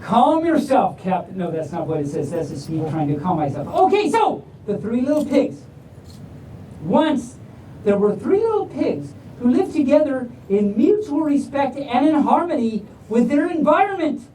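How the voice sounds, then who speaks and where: A woman's voice: sing-song, moderate pace, mellow. A woman reading stories aloud to a live audience in a playful, silly way, rambling off into self-deprecating asides. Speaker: storyteller reading picture books to an audience. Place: large room at a live convention event. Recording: roomy, distant mic with faint rumble.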